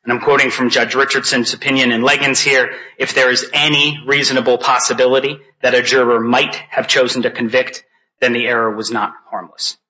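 A man argues formally as an appellate lawyer, deferential to the bench. His voice is bright and forceful at a middling pitch. The audio is dull and lo-fi. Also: little pitch movement, a little fast. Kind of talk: formal oral argument.

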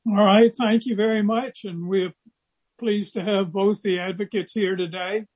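A man with a high-pitched voice presides over a court hearing. He speaks formally from the bench, halting as he probes. The audio is a little lo-fi. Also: fairly even intonation, a little mellow, husky. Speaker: presiding appellate judge.

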